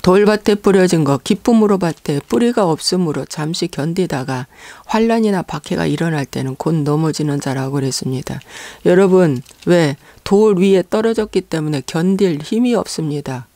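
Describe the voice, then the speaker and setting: A woman pastor preaching a sermon, earnestly posing rhetorical questions to the congregation and pausing on fillers between phrases. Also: fairly low pitch, expressive, mellow, dry recording.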